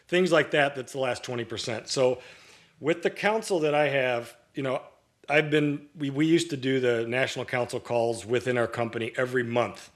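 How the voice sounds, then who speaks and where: A man talking casually as a guest on a podcast, a real estate broker. He rambles through his answers, starting sentences over and winding through anecdotes. His voice sits at an ordinary middle pitch. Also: moderate pace. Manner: long-winded, storytelling, with many restarts.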